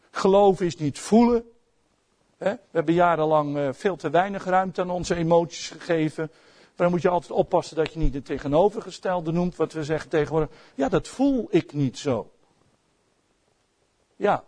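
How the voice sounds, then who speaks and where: A middle-aged man with a Dutch accent preaching a sermon as pastor, swinging between soft asides and loud outbursts. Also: high-pitched.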